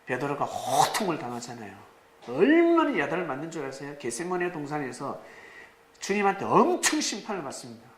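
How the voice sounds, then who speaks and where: Preaching man in an echoey sanctuary. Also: medium pitch. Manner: dramatic preaching with sudden shouts and rhetorical questions. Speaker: pastor. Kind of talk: sermon. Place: church sanctuary. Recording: echoey church room, faint ambience.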